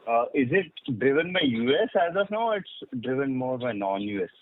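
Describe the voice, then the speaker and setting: A man speaking haltingly as an analyst asking questions on an earnings call. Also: mid-range voice, very animated, a little hiss or hum. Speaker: financial analyst. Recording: narrow phone line.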